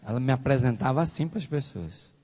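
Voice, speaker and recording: A man's voice: mid-range voice, quick pace. A male Brazilian pastor with a Brazilian Portuguese accent, preaching a sermon and telling a personal story, his voice leaping up when he quotes others. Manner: animated storyteller, voice rises sharply when quoting others. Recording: husky voice with long hall reverb.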